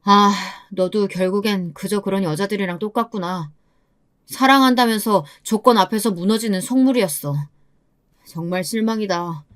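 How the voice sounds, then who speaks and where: A woman's voice: mid-range voice, moderate pace, lightly acted. A woman voicing a pushy, stingy man in his late thirties who nags and reproaches his partner in a radio-style story. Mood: reproachful. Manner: reproachful, nagging.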